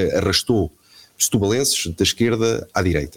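A man's voice with ordinary pitch variation. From Portugal, Setúbal. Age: 40s. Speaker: local election candidate. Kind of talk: political interview. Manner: hesitant, repeats words.

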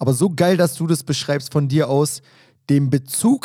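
A somewhat breathy man's voice, fairly high in pitch, with lively intonation on a very clean recording against a silent background. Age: 40s. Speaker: podcast host and DJ. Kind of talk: casual chat.

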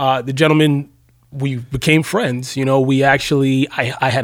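A plain, everyday voice moves at a moderate pace with fairly even intonation. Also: man. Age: 30s. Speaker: former steroid user. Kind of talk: interview.

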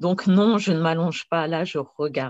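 At a fairly slow pace, a woman with a plain, everyday voice speaks at a fairly low pitch with ordinary pitch variation. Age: 50s. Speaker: journalist and audience member. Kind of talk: casual testimony.

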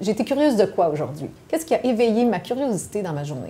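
With a Quebec accent, a woman talks at a very fast pace in a somewhat breathy voice with a dark, mellow tone and very wide pitch swings. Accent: Québécois French. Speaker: positive psychology author and speaker. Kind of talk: live interview. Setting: live studio broadcast.

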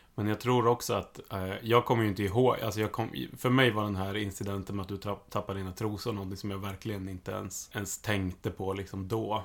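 With an unremarkable speaking voice, a man talks at a fairly quick pace and fairly low pitch, with fairly even intonation and hardly any pauses, on a very clean recording with a silent background. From Sweden, Oxelösund. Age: 30s. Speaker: podcast co-host. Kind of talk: casual chat.

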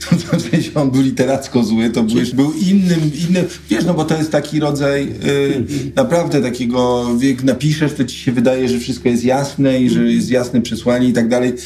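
A man speaks at a fairly quick pace, his pitch medium with ordinary variation. Noticeable background noise and audible room echo surround him. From Poland, Gniezno. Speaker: film director and screenwriter. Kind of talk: interview conversation. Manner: halting, many fillers.

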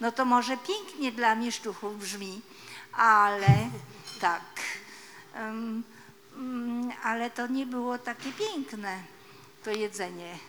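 At a very slow pace, a woman with a fairly high pitch and ordinary pitch variation speaks with long, frequent pauses and big swings in loudness. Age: 80s+. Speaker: audience member, book contributor. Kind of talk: personal recollection.

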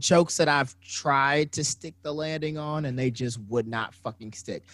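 The speaker has an unremarkable speaking voice, moving at a fairly slow pace with ordinary pitch variation. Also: man. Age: 30s. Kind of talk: casual chat.

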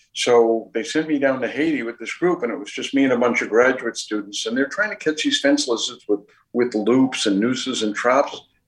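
Lively intonation in a normal speaking voice at a moderate pace. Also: man. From US South, Louisiana. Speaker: ethnobotanist. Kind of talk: interview.

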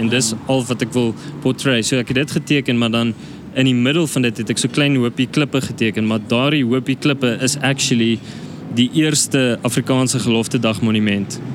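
A man at a medium pitch talks at a moderate pace amid noticeable background noise. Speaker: visual artist. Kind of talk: casual interview.

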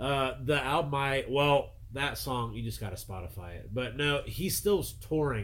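A man speaks in a plain, everyday voice at medium pitch and a fairly slow pace. His intonation is lively, with big swings in loudness. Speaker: podcast guest. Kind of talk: casual chat.

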